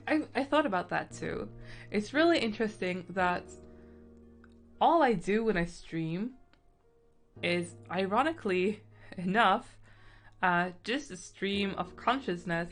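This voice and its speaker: A young woman streaming while she paints, chatting casually and thinking out loud, with lots of fillers and giggles. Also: on the low side. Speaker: artist streaming a painting session. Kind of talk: casual stream-of-consciousness chat. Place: indoors at home. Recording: faint background music.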